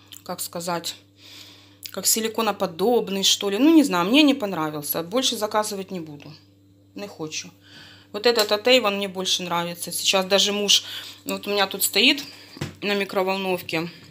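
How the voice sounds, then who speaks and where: Over light background noise, a woman speaks at a moderate pace with ordinary pitch variation, big swings in loudness and long, frequent pauses. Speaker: home vlogger. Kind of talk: casual vlog chat. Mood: relaxed, chatty. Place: kitchen. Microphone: phone near.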